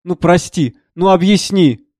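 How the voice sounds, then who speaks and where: A man's voice: high-pitched, a little slow, a little mellow, no echo, clean studio sound. A man reading a distraught, pleading professor's wife. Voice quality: tearful, pleading.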